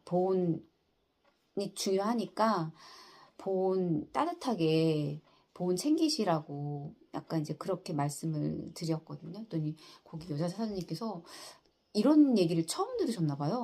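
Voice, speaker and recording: Middle-aged woman, earnest vlog storyteller, low mellow voice, halting delivery. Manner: soft, earnest, halting with many fillers. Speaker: insurance agent. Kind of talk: casual personal storytelling.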